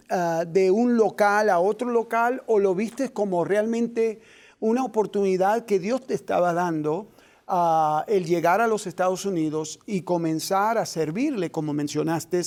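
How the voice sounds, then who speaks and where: A man's voice: high-pitched, measured pace. A man hosting a Christian interview program, reading scripture earnestly and then questioning his guests. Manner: reads scripture aloud, then asks questions warmly and earnestly. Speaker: host.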